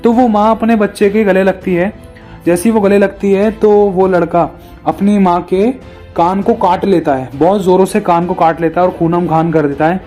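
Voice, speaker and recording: High-voiced earnest male preacher. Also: steady tone, moderate pace, warm tone, soft background music. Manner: earnest, repetitive storytelling. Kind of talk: sermon with storytelling.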